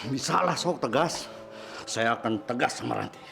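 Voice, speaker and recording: An actor playing Diki, a henpecked husband who talks softly and placatingly, then tries to sound tough. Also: male voice, mid-range voice, expressive, moderate pace, vocal fry. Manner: soft, placating, then bluster. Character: henpecked husband Diki, blustering but meek.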